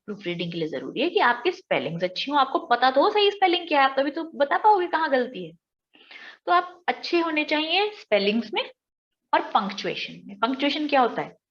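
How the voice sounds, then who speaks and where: A woman's voice: high voice, muffled recording. An Indian woman teaching an exam-prep lesson, explaining step by step with everyday examples and rhetorical questions. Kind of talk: exam-prep lecture mixing Hindi and English.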